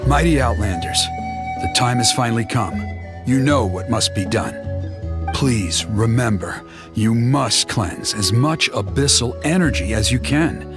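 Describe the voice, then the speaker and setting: A man's voice: medium pitch, expressive, measured pace. A man voicing a solemn tribal elder who formally addresses heroes in a video game. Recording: game audio over music.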